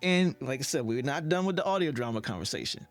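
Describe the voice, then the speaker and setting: A male podcast host talks in a conversational interview manner. His voice sits at a medium pitch, with faint music underneath. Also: lively intonation, fast talker.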